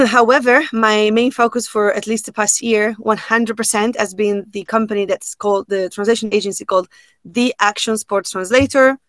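A woman's voice: medium pitch, fairly even intonation, moderate pace, no room sound. Italian woman in her thirties, dry sound. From Italy. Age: 30s. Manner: chatty, many fillers and restarts. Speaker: podcast guest. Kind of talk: casual chat. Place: home room. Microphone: video call.

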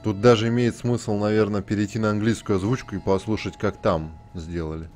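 A man's voice: lowish voice, fairly even intonation, fairly quick, a little mellow, soft background music. A man giving casual commentary while playing a video game, crude and mocking, swearing heavily. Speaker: gamer commenting on playthrough.

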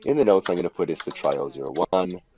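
A man presenting an unscripted software walkthrough, explaining each step in a deliberate, instructional way. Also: low-pitched, lively intonation, highs cut off, a little hiss or hum. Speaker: tutorial presenter. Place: voice-over for a screen recording.

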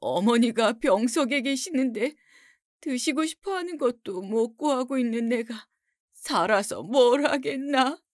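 A woman's voice: mid-range voice, very animated, a little slow, hardly any pauses, darkish tone, no echo, studio quality. Woman reads a devoted young son, earnest and pleading, storybook. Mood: despairing.

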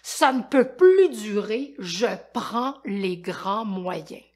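Québécoise qui joue un voisin grincheux et furieux, aboie ses ordres, conte pour enfants. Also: female voice, medium pitch, lively intonation, slow. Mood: furious. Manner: shouting orders, indignant. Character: grumpy sleepless man, angry neighbor.

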